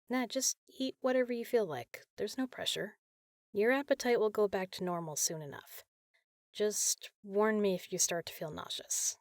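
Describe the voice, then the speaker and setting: A woman playing a caring, teasing big sister in an intimate comfort roleplay, talking softly and casually. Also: medium pitch, dry recording, clean studio sound. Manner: soft, soothing, casual, playful.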